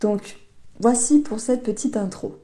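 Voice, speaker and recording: Lady doing a tarot reading, super dark warm voice, lots of ums and restarts. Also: on the high side, a little slow. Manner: gentle, hesitant, many fillers and restarts. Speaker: tarot reader.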